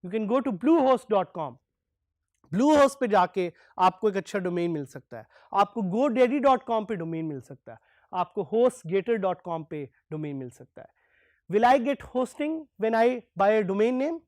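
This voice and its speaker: A man giving a recorded online lecture, switching between Urdu and English and slowing down to stress key terms. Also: high voice, very animated, dry recording, studio quality. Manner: mixes English phrases into Urdu explanations. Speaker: course instructor.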